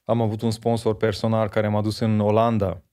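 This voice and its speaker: A man's voice: fairly low pitch, little pitch movement, mellow, smooth. A man in his forties, a guest in a podcast conversation, recalling things thoughtfully and often tagging sentences with a questioning aside. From Romania, Miercurea Ciuc. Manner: thoughtful, tags sentences with "you know?". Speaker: guest, former speed skater.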